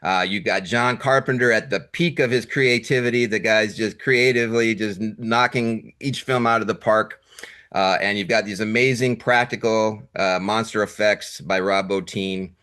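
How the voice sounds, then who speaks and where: Lowish-voiced man interviewing as host. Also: fairly even intonation, moderate pace, bright, forceful tone. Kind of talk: enthusiastic film interview questions.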